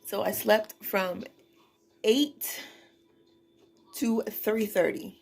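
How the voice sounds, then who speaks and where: A woman vlogger chatting casually, sounding exhausted and weary, with a creaky, gravelly voice. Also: medium pitch, steady tone, extremely slow, a little mellow. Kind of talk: casual vlog chat.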